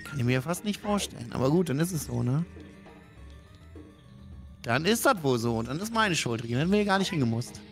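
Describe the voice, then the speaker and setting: A man's voice: on the high side, animated, moderate pace, creaky, pauses often, faint music behind. A man from northern Germany giving casual, colloquial gaming commentary as a teasing backseat co-host, often repeating himself. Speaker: co-host of a gaming let's play, backseat advisor.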